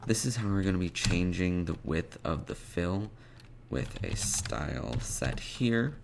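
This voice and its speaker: A man with a low, gravelly voice talks through a programming tutorial in halting fragments, thinking aloud as he goes. Keyboard clicks and typing sit behind him, along with some background noise. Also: big pitch swings. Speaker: web development tutorial host. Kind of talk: informal screencast coding tutorial, explaining steps while typing. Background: computer keyboard typing and clicks.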